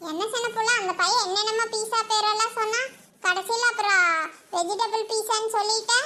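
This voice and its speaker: A woman does a cartoonish character voice at an extremely high pitch, delivered in a flat monotone. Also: fairly slow pace. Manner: colloquial village Kongu Tamil, homely.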